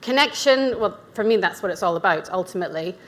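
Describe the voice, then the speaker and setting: A woman's voice: lowish voice, animated, fast, a bit bright. A woman in her forties with a Scottish accent, giving a conference talk as a nutrition practitioner. She speaks chatty and candid, with asides and self-deprecating humour. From Scotland. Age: 40s. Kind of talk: conference presentation. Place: event venue.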